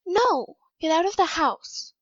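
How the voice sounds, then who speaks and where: A woman's voice: very high-pitched, very animated, slow pace, fairly bright tone, muffled recording, heavily acted. A woman playing a curt, impatient clone of a young woman in an audio drama, defiant and threatening. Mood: cold, defiant.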